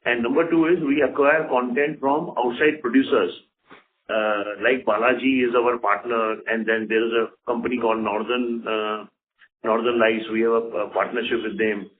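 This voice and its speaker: An Indian-accented man speaks as a company executive on a conference call, with a medium-pitched voice. He explains in a halting, repetitive way, and the sound is narrow, like a telephone line. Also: steady tone, slight background noise. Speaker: company executive answering questions. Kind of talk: unscripted investor conference call answers. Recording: phone-like conference call audio.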